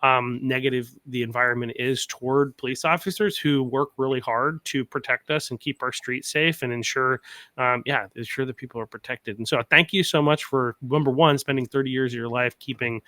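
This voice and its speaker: A man hosting a podcast, chatting loosely with plenty of fillers and restarts. His voice is bright and forward, recorded dry and close to the mic. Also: mid-range voice, dry recording. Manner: rambling, many fillers and restarts. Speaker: podcast host. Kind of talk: casual interview.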